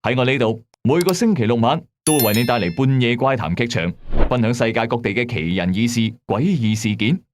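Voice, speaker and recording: A man with a Hong Kong Cantonese accent hosting a late-night strange-tales show, narrating scripted mysteries in a measured, dramatic storyteller's way. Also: mid-range voice, a little hiss or hum. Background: background music.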